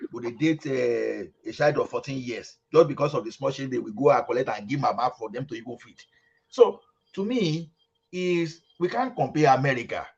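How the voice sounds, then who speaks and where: A man from Lagos, Nigeria, making his point in a group discussion over a call. He talks emphatically and haltingly, repeating words and mixing in pidgin. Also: mid-range voice, creaky, breathy edge. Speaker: discussion participant. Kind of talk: heated group chat on a call. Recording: muffled online call audio.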